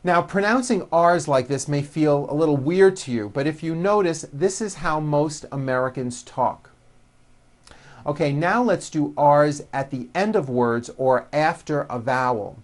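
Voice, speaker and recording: A language lesson narrator with a mid-pitched voice and a very unhurried pace. The teacher gives clear step-by-step instructions and stresses each example word deliberately, as in a repeat-after-me pronunciation drill. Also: animated. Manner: instructional, enunciates example words with deliberate emphasis.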